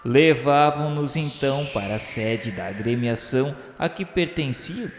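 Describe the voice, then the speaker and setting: A man with a Brazilian accent playing a solemn spirit who recounts his memoirs in formal, measured radio novel narration. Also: mid-range voice, lively intonation. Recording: echoing hall reverb over music.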